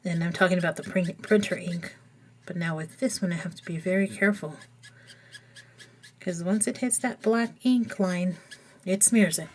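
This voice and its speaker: A woman's voice: lowish voice, normal speed, darkish tone, a little hiss or hum. A woman with a slightly froggy voice, chatting casually and thinking aloud as she demonstrates a coloring technique in a voice-over. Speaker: coloring tutorial host.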